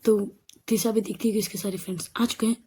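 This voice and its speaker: A woman's voice: mid-range voice, steady tone, quick pace, warm tone, a little hiss or hum. A woman narrating a story in a loose, conversational way, with restarts.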